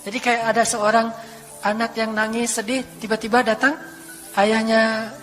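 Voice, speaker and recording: A man preaching a sermon, telling stories in a casual, animated, colloquial way. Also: sits high, moderate pace. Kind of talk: sermon storytelling. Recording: reverberant hall with faint music.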